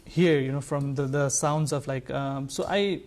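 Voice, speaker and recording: A man's voice: mid-range voice, measured pace, a little mellow. A man from Nepal, a sarangi musician, answering interview questions in a hesitant way with many fillers and restarts.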